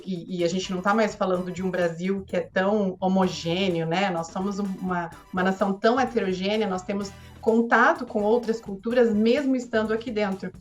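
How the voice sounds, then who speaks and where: A woman who works as an educational consultant, talking earnestly in a relaxed podcast conversation and often tagging her sentences with filler words. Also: medium pitch. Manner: earnest, frequent filler tags.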